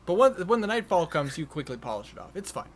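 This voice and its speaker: A man improvising narration as game master of a tabletop game, haltingly repeating and restarting his phrases. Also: on the high side, big pitch swings, crowd noise. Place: online voice call. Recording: noisy home voice-chat recording.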